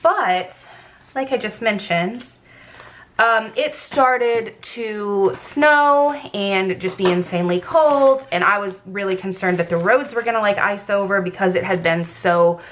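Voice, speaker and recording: A woman's voice: mid-range voice, unhurried. A woman with a stuffed-up, blocked nose and slightly scratchy throat, narrating a craft vlog in a casual, informal, rambling way. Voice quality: congested, blocked-nose sound. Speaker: planner vlogger.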